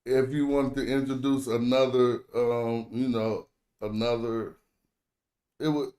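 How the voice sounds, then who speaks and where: A man's voice: medium pitch, level tone, a little slow, mellow. American man teaching casually, African American Vernacular English. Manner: informal, loose phrasing with slang. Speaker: host and language teacher. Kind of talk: casual teaching chat in an online group call.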